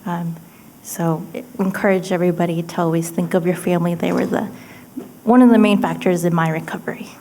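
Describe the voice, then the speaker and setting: A woman's voice: lowish voice, steady tone, a little fast, dark tone, a little hiss or hum, low-quality recording. A woman wellness advocate speaking encouragingly at a panel. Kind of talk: panel discussion comment.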